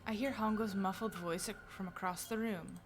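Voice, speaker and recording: A young woman streamer reading a game's narration aloud with expression and breaking off for quick casual comments. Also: medium pitch, steady tone, loud music behind the voice. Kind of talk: let's play, reading game narration aloud.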